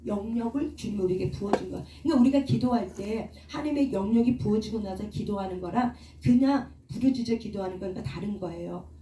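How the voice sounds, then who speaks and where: A woman's voice: a little high, dark tone, a little hiss or hum. A woman leading a prayer meeting, preaching and asking the congregation questions. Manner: asks the congregation questions, leads call-and-response. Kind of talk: sermon. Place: church prayer room. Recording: echoey room, far from the mic.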